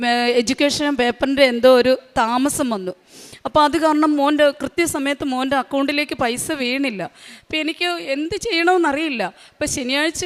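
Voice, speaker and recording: A woman giving a spoken religious testimony, halting, with many fillers and restarts. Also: high-pitched, long reverb tail. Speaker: testimony giver.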